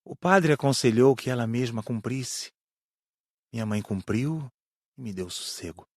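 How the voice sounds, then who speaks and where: A man's voice: mid-range voice, animated, unhurried, a little mellow, dry recording, studio quality. A man with a Brazilian accent playing an earnest, confiding spirit student in an audiobook drama. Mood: earnest, reflective. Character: Joaquim, earnest male spirit student recalling his past.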